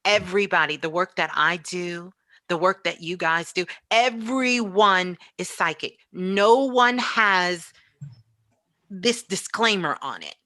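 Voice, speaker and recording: Bright-voiced woman giving emphatic spiritual talk. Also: fairly low pitch, slow, no room sound. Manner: emphatic, repeats phrases for effect. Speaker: spiritual teacher and show host, as guest.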